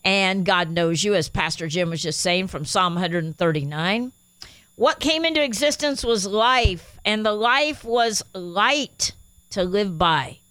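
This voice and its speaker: A woman's voice: medium pitch, animated, unhurried, a bit bright, no echo, poor audio. A woman with a Spanish accent co-hosting a Christian radio show, reading Bible verses aloud with enthusiasm. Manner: enthusiastic, reads scripture aloud with emphasis.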